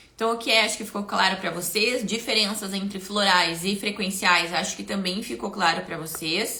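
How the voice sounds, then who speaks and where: Animated in tone, a woman speaks at a moderate pace and medium pitch with ordinary pitch variation. There is audible room echo and noticeable background noise. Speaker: aesthetician and cosmetology educator. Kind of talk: live stream talk to followers. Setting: live online broadcast.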